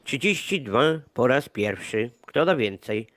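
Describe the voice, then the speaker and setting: A man voicing a formal male land auctioneer who announces bids slowly and politely. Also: mid-range voice, sing-song, a bit bright, no echo. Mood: announcing.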